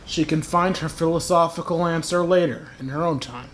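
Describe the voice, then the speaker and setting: A man's voice: a little high, normal speed, slight background noise. A man giving casual playthrough commentary as a gaming YouTuber, with informal, self-deprecating asides.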